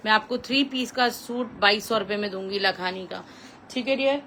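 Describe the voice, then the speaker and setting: A woman with a Pakistani accent gives a chatty, repetitive live sales pitch for the clothing she sells, mixing in English phrases. Her tone is bright and forceful at normal speed, with slight background noise.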